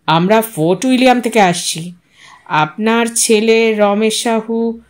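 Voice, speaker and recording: A solemn male soldier in an audio story, voiced by a woman reader. He speaks formally and gravely, in measured phrases, as one bringing terrible news. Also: fairly high pitch, steady tone. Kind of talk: audiobook character voice.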